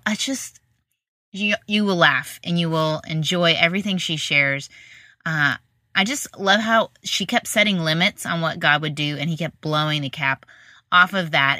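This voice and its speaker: Woman podcast host, bright and slightly low voice, eager chatty delivery, dry close recording. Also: no echo. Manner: enthusiastic, chatty, laughs easily. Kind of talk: casual interview chat.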